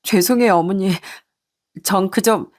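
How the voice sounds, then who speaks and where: A remorseful young wife, as a woman acts her out, speaking hesitantly and apologetically at a middle pitch in a narrated story. Her lines come soft and halting. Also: close to an everyday voice. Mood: apologetic.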